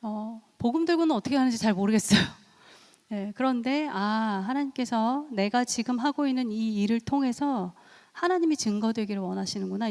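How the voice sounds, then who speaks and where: A middle-aged woman gives a church family seminar and tells her stories in a lively way. She acts out the people she quotes and laughs often. Her voice sits a little high, and a long echo from a large church hall trails each phrase. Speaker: seminar speaker and counselor.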